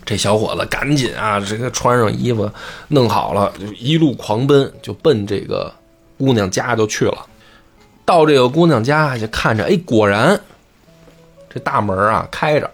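A man telling a folk tale in a chatty, colloquial way, full of lively asides. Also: mid-range voice, normal speed, slightly rough, faint music behind. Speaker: storyteller. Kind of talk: casual storytelling.

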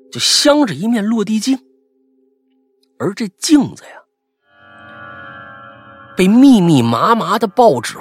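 A storyteller recounts a spooky tale with dramatic flair, stuttering words to build tension. The voice is husky and swings wildly in pitch. Soft music plays in the background. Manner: dramatic, stammering repetitions. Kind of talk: ghost story narration.

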